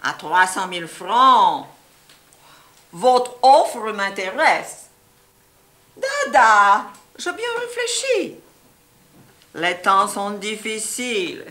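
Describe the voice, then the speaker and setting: An older actress playing a scheming aunt who poses as a Russian grand duchess, grand and theatrical in a 1980s television comedy. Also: female voice, on the high side, wildly swooping pitch, a little slow, bright, forceful tone, full character voice.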